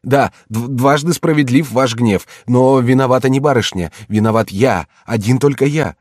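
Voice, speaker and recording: A man's voice: on the low side, moderate pace, a little mellow, no echo, studio quality. A man voicing a young masterless samurai in a read-aloud tale, earnest and pleading.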